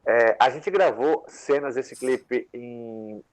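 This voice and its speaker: A man's voice: mid-range voice, slow pace, no echo, rough recording. Songwriter guy on a live call, medium voice, dry mic, lots of "é" and "né". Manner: rambling, many fillers, conversational. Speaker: songwriter guest. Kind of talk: casual interview talk.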